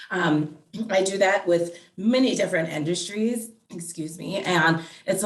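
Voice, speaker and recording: Noticeable background noise and audible room echo surround a woman with a Milwaukee accent and ordinary pitch variation. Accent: Milwaukee Midwest. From US Midwest, Milwaukee. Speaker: HR consultant. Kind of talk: interview conversation.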